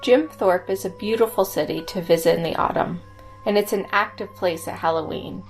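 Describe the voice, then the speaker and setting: A woman's voice: lowish voice, normal speed, poor audio. A woman co-hosting a podcast, reading scripted ghost stories with music behind her. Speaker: podcast co-host. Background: background music.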